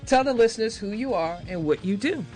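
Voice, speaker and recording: A woman's voice: a little high, expressive, a little fast, darkish tone, soft background music, poor audio. A woman hosting a radio show from the studio mic, chatty and upbeat, teasing her guest. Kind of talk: casual radio talk. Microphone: studio microphone.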